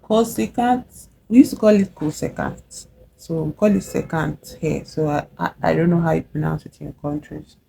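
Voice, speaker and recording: A woman with a Nigerian accent giving a casual whiteboard maths lesson. She is chatty and encouraging, checks in with "yeah?" and "okay?", and slows down to spell out formulas as she writes. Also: low voice, gravelly, dark tone, a little hiss or hum, rough recording. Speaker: math tutor vlogger.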